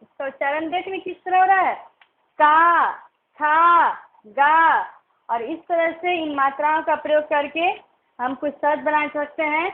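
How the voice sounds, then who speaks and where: A woman teaching young children, slowly and patiently sounding out syllables and simple words. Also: high-pitched. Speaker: primary school teacher. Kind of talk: recorded online class lesson. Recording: tinny phone-like recording.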